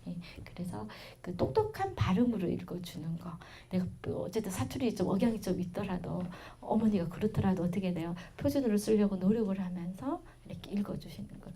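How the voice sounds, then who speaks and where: A middle-aged woman with a regional Korean accent giving a parenting lecture, telling stories in a chatty way that swings between loud bursts and soft asides. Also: mid-range voice, expressive, fairly quick, hardly any pauses, slight background noise. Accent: Korean regional dialect.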